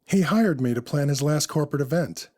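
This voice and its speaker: A sassy, polished professional woman, as a male narrator puts her on in an urban fantasy audio story. She speaks briskly in a raised pitch, with a wry, teasing edge. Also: lively intonation, a little mellow. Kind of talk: acted dialogue in an audio fiction story.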